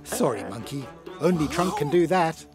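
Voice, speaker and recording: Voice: medium pitch, lively intonation, normal speed. A narrator telling a children's cartoon story, expressively reacting aloud to the action with exclamations. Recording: music behind the narration. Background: music.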